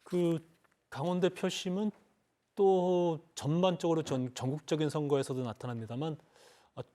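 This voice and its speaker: A middle-aged man, a former lawmaker, giving political commentary on a TV panel, halting often with "uh" and hedging his points. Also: on the high side, steady tone, warm tone. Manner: halting, with frequent "uh" fillers and measured hedging.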